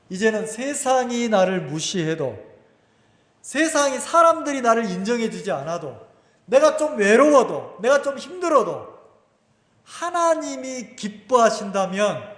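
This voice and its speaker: A man's voice: extremely high pitch, fairly bright tone. A pastor preaching a sermon, firing rhetorical questions at his congregation with emphatic delivery. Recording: echoey church hall.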